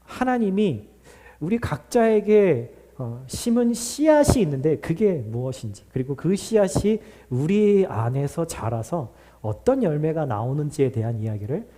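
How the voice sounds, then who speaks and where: Middle-aged pastor guy preaching in church, kinda high voice but mellow, lots of uh fillers. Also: big pitch swings, unhurried. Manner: frequent hesitant fillers, conversational storytelling. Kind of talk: sermon with prayer. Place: church sanctuary.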